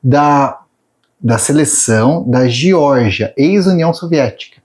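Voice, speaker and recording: A man's voice: medium pitch, expressive, slow, darkish tone. A man hosting a podcast, telling funny stories and laughing often between questions. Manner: jokey storyteller, laughs often. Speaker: podcast host. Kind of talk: casual interview chat.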